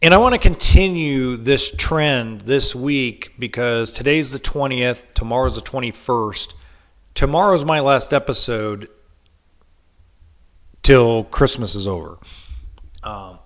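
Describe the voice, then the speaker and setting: A man's voice: medium pitch, takes it slowly. A man with a head cold hosting a podcast, telling a story in a casual monologue, full of ums and restarts. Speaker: podcast host.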